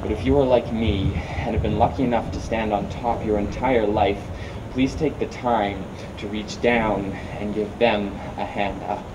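A man's voice: on the low side, fairly even intonation, unhurried. A teenage boy performing rhythmic, wordplay-heavy spoken word poetry at a podium during a large outdoor rally. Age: teens. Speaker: student performer. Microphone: podium mic, picked up from a distance. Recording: distant mic, noisy outdoor sound.

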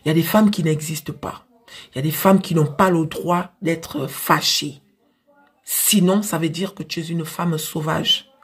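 A young adult woman with an African French accent and a husky voice, giving frank, emphatic advice straight to the camera like a big sister. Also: fairly low pitch. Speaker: social media advice creator. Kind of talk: direct-to-camera advice talk. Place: small dim indoor room. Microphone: phone at arm's length.

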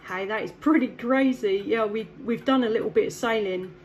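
A woman's voice: on the high side, brisk, darkish tone, lo-fi sound, faint music behind. An English woman from the south east chatting over CB radio, friendly and upbeat, handing back with "back to you". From south east England. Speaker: CB radio operator. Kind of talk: casual radio chat.

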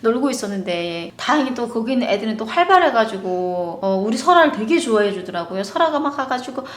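A woman's voice: medium pitch, very animated, quick pace. A woman in her thirties from North Korea, a mother chatting emotionally with her viewers on a livestream. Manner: chatty and emotional, often laughs, addresses viewers. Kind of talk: casual livestream chat. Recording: roomy echo.

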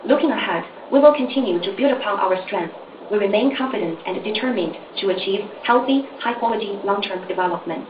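A woman with a medium-pitched voice speaks briskly as an interpreter for an executive, carefully reading formal corporate remarks on a conference call. The line sounds dull, roomy, noisy and distant.

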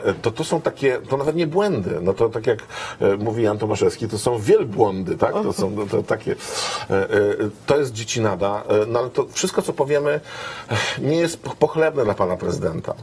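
A man in his fifties speaks as a guest in a television studio, his voice a little low and wry. He pauses often with fillers, recorded close on a lapel mic with a faint hiss behind him. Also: animated, a little mellow. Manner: hesitant, many fillers, wry. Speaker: image expert guest. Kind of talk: studio interview. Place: TV news studio.

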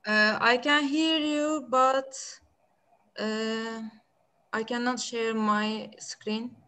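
A woman's voice: on the high side, fairly even intonation, very slow, bright, forceful tone, smooth. A young woman, giving a hesitant academic presentation over a video call with many fillers. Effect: heard over a video call. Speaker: conference presenter, master's student.

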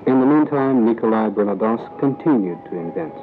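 Man, documentary narrator, mid-pitched and measured, tinny lo-fi recording over a music bed. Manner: measured, even reading of a history script. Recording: tinny lo-fi audio with music underneath.

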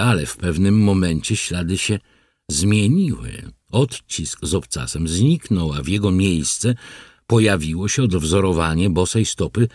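A man with a low, slightly husky voice tells a first-person story for an audiobook. His pitch moves in a lively way as he narrates wryly. The recording is dry and close. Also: dry recording.

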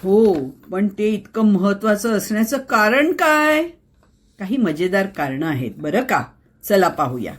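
A woman's voice: medium pitch, sing-song, unhurried. A woman presenting an explainer in a conversational, theatrical way, emphatic and full of rhetorical questions. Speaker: host and presenter. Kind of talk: conversational scripted explainer on voice skills.

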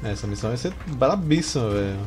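A man's voice: mid-range voice, expressive, fast talker, darkish tone. A man in his thirties with a Brazilian accent, giving slangy, casual commentary as he streams a game. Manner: slangy, swearing. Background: faint game music.

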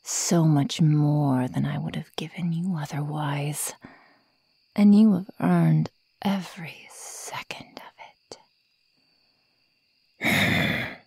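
A woman voicing a sadistic, predatory werewolf girl who taunts her prey in a breathy whisper, in an ASMR roleplay. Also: sits low, steady tone, a little mellow, no room sound, heavily acted. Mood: cruel, stern. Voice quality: breathy, mostly whispered, creaky. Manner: slow, taunting, menacing.

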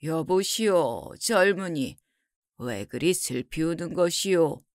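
Lady playing a wise old scholar guy, deep and calm, unhurried, storybook. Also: no echo, clean studio sound. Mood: reassuring. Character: calm wise scholar, older man, lowered voice.

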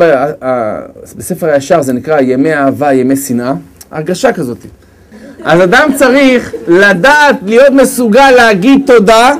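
A man giving a storytelling religious lecture, lively and acting out the characters as he goes. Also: extremely high pitch. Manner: lively, acts out characters with big swings of voice. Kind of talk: storytelling sermon.

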